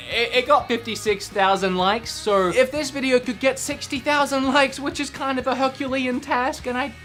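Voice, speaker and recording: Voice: high voice, sharp tone. A game channel host giving a casual, upbeat and joking review of free games.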